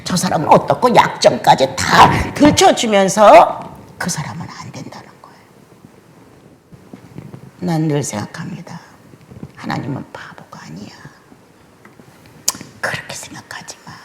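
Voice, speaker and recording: An older woman preaching a sermon, swinging between loud exclamations and hushed whispers. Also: on the low side, huge pitch swings, unhurried, pauses often. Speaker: pastor.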